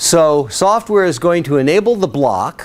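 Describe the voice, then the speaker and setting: Using a normal speaking voice, a man speaks at a moderate pace with lively intonation and a fairly high pitch. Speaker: university lecturer. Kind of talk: lecture.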